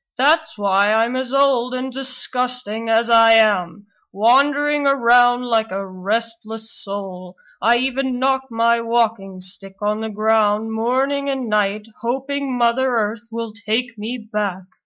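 A man's put-on character voice, raised and projected, extremely high in pitch with fairly even intonation. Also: fairly slow pace, hardly any pauses. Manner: gentle, scolding, weary.

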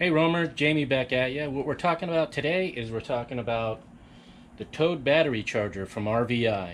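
Light noise in the background behind a male speaker. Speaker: RV vlogger. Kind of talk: tutorial. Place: street. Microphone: camera far.

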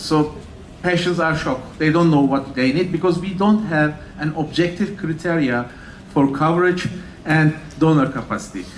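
Audible room echo and light background noise accompany a man speaking with fairly even intonation. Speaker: conference presenter. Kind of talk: lecture. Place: hall.

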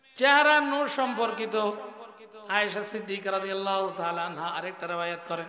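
A man with a high pitch projects his voice loudly, his intonation lively. Audible room echo and light background noise surround him. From Bangladesh, Jamalpur; Bangladesh. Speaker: Islamic preacher. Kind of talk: sermon. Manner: loud, declamatory. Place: stage. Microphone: handheld.

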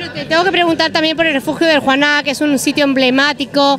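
A woman's high voice comes through with monotone, flat intonation in a dry sound with no echo and light background noise. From Andalusia, Spain. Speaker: local TV reporter. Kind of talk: on-location event interviews. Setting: outdoors at a town festival. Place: street. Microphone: handheld.

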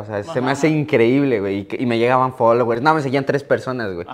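Very fast speech over light background noise. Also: man. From Mexico. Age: 20s. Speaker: collector; interview guest. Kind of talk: casual chat. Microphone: lapel.

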